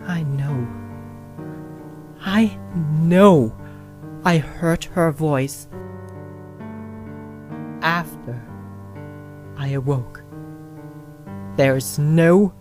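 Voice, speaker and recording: A narrator reading a scripted first-person story in short phrases with frequent pauses. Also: medium pitch. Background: music with guitar and piano.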